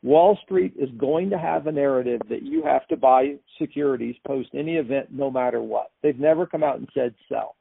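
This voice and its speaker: A man's voice: medium pitch, a little fast, vocal fry, few pauses, husky, no room sound. A man giving unscripted financial commentary as an analyst, with opinionated, emphatic phrasing. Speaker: market commentator. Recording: thin phone-like line.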